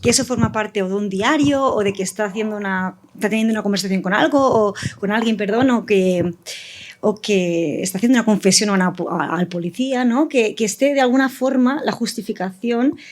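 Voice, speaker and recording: A woman's voice: medium pitch, a little fast. A woman speaking as a scriptwriter in a casual panel, explaining informally with frequent tag questions.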